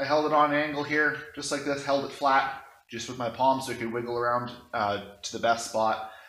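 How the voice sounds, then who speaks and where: At a very fast pace, a man talks with ordinary pitch variation and audible room echo. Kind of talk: tutorial. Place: workshop. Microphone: phone near.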